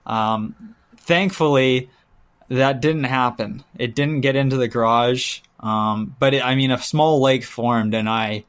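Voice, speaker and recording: A man co-hosting a podcast, telling everyday stories in a casual, halting way. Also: medium pitch, steady tone, a bit bright, clean tone. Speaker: podcast co-host. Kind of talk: casual banter and anecdotes.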